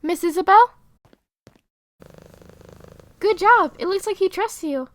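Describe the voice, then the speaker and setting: A woman voicing a prim, stern but fair female teacher with a formal, measured manner in an animated roleplay story. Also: very high-pitched, full character voice. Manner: formal, measured, addresses pupils by title. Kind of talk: hobby animated roleplay voice acting.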